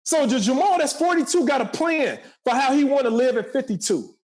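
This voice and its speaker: A man in his forties speaks in a strikingly high register. He delivers motivational talk with a preacherly drive, hammering key phrases by repeating them. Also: expressive, fairly quick, darkish tone. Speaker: podcast guest, motivational speaker and entrepreneur.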